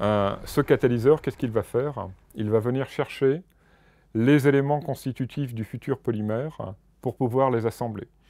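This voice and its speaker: Dry and free of echo, a man's dark, mellow voice comes at a moderate pace. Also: ordinary pitch variation. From northern France, Lille; France. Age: 40s. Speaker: chemistry professor. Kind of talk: interview; interview answer. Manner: hesitant, frequent fillers and repetitions. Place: office. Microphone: lapel.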